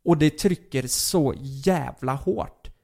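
A man's voice: fairly high pitch, vocal fry, dark tone. A young man telling a personal story in a casual chat, rambling with lots of fillers and restarts.

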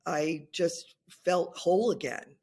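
A woman in her sixties speaking in an interview about her own care, in slow, deliberate speech. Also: lowish voice, a little mellow, breathy edge. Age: 60s. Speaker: patient interviewee. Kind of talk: interview testimony.

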